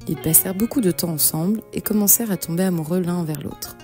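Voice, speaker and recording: Woman, fairy tale storyteller, scripted narration, lowish mellow voice, background music. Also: quick pace. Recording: music behind the voice.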